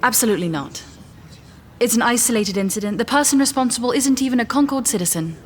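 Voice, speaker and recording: A woman's voice: a little high, animated, fast, a little hiss or hum, lightly acted. An actress playing a poised, idealistic woman scientist who is gracious in public, in an audio drama. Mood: composed, earnest. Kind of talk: audio fiction acting. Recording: loud music bed behind the voice.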